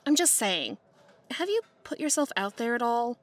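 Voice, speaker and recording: Casting: woman playing sassy, pushy best friend, higher voice, very animated, bright, comic dub with music. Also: moderate pace. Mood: teasing. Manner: animated, teasing. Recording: music bed under the voice.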